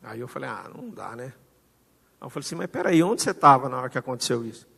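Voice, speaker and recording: A man with a Brazilian Portuguese accent preaching a sermon, telling a story and acting out the dialogue with swings in loudness. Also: medium pitch, big pitch swings, fast, vocal fry, husky, long reverb tail. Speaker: pastor. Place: church hall.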